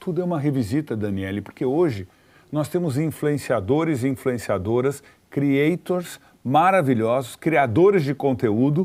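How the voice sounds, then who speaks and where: A man with a normal speaking voice, fairly high pitch, lively intonation and a moderate pace. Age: 60s. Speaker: advertising executive. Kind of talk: interview.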